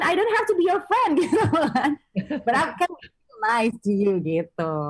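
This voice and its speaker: A woman speaks with music in the background. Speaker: guest, aspiring news presenter. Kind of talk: casual radio talk show chat.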